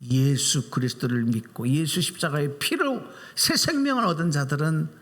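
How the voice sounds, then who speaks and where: A man's voice: a little high, animated, normal speed, fairly bright tone. A male pastor giving a Sunday sermon in a church sanctuary, preaching with animation and putting questions to the congregation. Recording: reverberant church hall.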